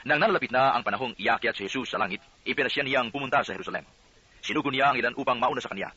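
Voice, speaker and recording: A man reading scripture aloud as a steady, earnest narrator. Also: medium pitch, rapid-fire, breathy edge. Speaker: Bible reader. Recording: dull lo-fi audio.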